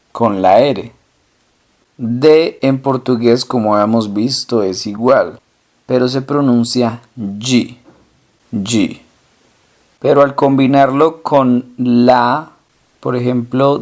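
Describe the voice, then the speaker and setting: A man teaching a language lesson, asking questions and then answering them himself, slowly repeating each example word. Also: mid-range voice, darkish tone.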